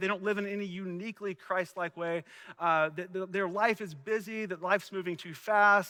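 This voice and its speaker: Bright and sharp in tone, a man with a Southern US accent speaks in a raised, projected voice at a high pitch, with ordinary pitch variation and a dry, close sound with no echo. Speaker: senior pastor. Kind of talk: sermon.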